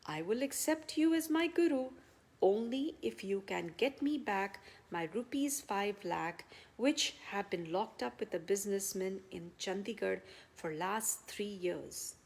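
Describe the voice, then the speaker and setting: A woman reading a scripted devotional testimonial aloud, phrase by phrase, starting phrases firmly and letting the endings trail off softly. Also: mid-range voice, animated, a little slow, vocal fry.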